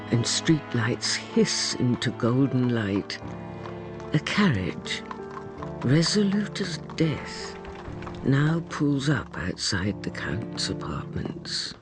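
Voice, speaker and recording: As a flamboyant storyteller in a radio play, with a lively, swooping voice and a slow, savoring delivery. Music plays clearly behind the narration. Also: mid-range voice. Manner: flamboyant, sing-song, addresses listeners.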